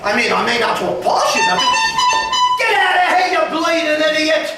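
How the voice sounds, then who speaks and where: A cheeky Cockney lad with a high, lively voice that swoops up and down as he jokes and sings. He sounds brash and hungry to get ahead. It is heard from a distance in a very echoey theatre recording, with music behind. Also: moderate pace, full character voice. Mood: flirty. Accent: London Cockney.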